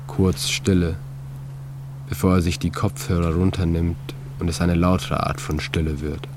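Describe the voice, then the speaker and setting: Deep-voiced man narrating calmly. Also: background noise. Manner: calm, measured, reflective delivery. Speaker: author and narrator. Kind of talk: scripted literary narration.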